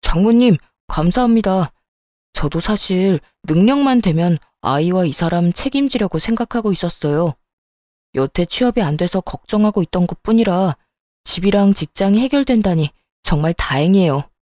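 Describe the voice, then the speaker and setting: An eager young man, read by a woman narrator, thanks his future in-laws with grateful enthusiasm. The voice is mellow and soft. The recording is close and dry, like a storybook reading. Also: lowish voice, lively intonation, moderate pace, no room sound, lightly acted. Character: eager young man, jobless son-in-law-to-be.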